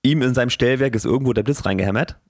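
A man co-hosting a casual podcast, telling a lively story from his work as a train driver. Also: medium pitch, rapid-fire, no echo, studio quality. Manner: storytelling, lively, quotes himself. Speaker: podcast co-host. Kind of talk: casual chat.

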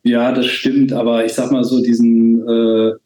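A man in his forties from Germany talks as a podcast guest, pausing often and restarting his sentences. His voice is mellow and dark. The room around him is noticeably echoey. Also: mid-range voice, little pitch movement. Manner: hesitant, many fillers and restarts. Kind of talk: casual conversation.

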